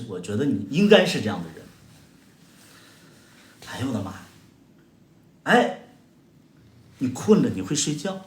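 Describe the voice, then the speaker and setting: A man with a Northeastern Mandarin accent hosts a livestream, trading mocking, combative comebacks with viewers. His pitch leaps up and down with lively animation, and his voice rings out in a roomy, echoey space. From Heilongjiang, China. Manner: sarcastic, combative, mocking retorts with exaggerated exclamations. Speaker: livestream host. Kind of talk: casual livestream chat answering viewer comments. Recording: echoey room sound.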